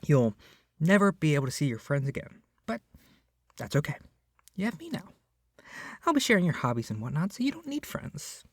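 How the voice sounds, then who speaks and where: A man acts out a young male yandere captor for an ASMR roleplay, doting and possessive. His delivery is soft and awkwardly hesitant, often falling toward a whisper, with animated swings in pitch. The sound is dry, with no room around it. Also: moderate pace, long pauses, no echo. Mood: smitten, possessive. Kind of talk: ASMR roleplay addressed to the listener.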